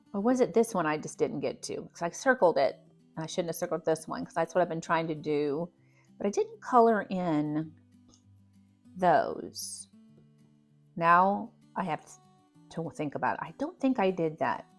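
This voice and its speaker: With music in the background, a woman of fairly low pitch speaks at a moderate pace, her loudness swinging widely and her speech broken by long, frequent pauses. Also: lively intonation. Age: 60s. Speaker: budgeting YouTuber. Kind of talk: casual talk to camera.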